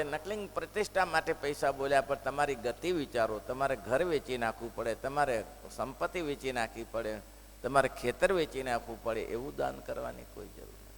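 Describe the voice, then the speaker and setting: A man's voice: mid-range voice, moderate pace, creaky. A man preaching a sermon at a religious school, telling stories and asking the listeners rhetorical questions. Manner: lively storytelling with rhetorical questions. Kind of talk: sermon with storytelling. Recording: long hall reverb, faint noise.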